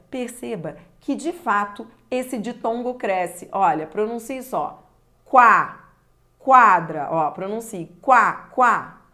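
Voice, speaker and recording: Slow, deliberate Brazilian woman teacher. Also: a little high. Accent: Brazilian Portuguese. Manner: slow and deliberate, stretching key words, addressing the viewer directly. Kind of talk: online grammar lesson.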